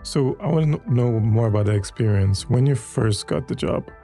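A man's voice: mid-range voice, expressive, moderate pace, warm tone, soft background music. A man hosting a casual interview, asking loose, chatty questions and affirming his guest often. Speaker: podcast host.

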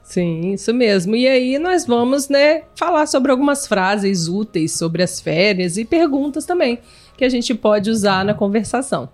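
A woman's voice: a little high, animated, unhurried, a little mellow, soft background music. A woman with a Brazilian accent co-hosting a casual live podcast in a conversational way. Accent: Brazilian Portuguese. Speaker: podcast co-host.

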